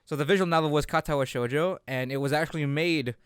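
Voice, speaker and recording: A man's voice: fairly high pitch, fast talker. A man in his twenties co-hosting a casual unscripted chat, rambling and often repeating his words. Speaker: podcast co-host.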